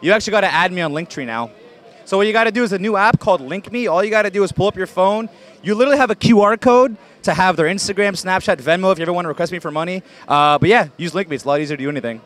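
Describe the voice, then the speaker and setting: A man's voice: sits high, rapid-fire, a bit bright. A man hosting a casual street interview outdoors, playful and teasing, switching between languages. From United States, Virginia. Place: outdoors in a busy urban street area.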